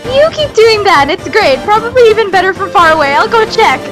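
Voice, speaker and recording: Very high, eager cartoon kid. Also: female voice, animated, fairly quick. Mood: cheerful. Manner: naive, eager, exclaiming. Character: sweet, excitable, childlike cartoon kid, easily flustered. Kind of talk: comic dub acting. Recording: music behind the voice.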